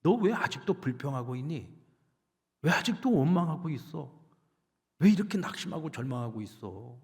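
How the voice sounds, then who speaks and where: A man's voice: on the high side, big pitch swings, moderate pace, a little mellow. A man voicing God, scolding a despairing prophet with urgent questions.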